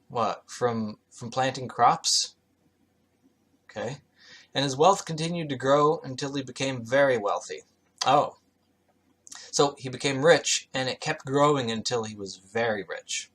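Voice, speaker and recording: A man's voice: medium pitch, a bit bright. A man reading scripture aloud and commenting on it as host, with offhand, skeptical, sardonic asides. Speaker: reader and commentator, host of the show.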